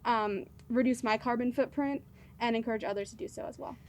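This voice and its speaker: A young woman just out of high school, a guest chatting casually and friendly. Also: brisk, darkish tone, a little hiss or hum. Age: teens. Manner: friendly, with fillers. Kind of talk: casual interview chat.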